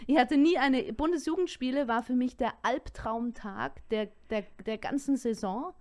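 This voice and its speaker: A woman's voice: high voice, normal speed. A woman in her forties from the Allgäu with a light Allgäu accent, co-hosting a casual podcast chat and telling stories with frequent laughter. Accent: Allgäu German. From Allgäu, southern Germany. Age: 40s. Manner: lively, laughs often, chatty storyteller. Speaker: podcast co-host.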